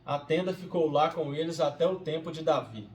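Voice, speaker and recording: A man reading a Bible passage aloud and then reflecting on it as a devotional host, in a steady reading manner that turns quiet and conversational. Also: on the high side, brisk. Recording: roomy, distant from the mic, faint hiss.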